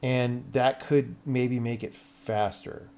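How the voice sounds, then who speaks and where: A man's voice: mid-range voice, fairly even intonation, slow pace, darkish tone, clean tone. An American man talking casually on a livestream as a game developer, blunt and sweary, thinking aloud as he explains things to viewers.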